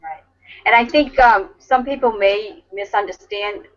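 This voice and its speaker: A woman's voice: mid-range voice, a little slow, a bit bright. A woman in a casual panel discussion, agreeable and explaining carefully. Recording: muffled lo-fi audio.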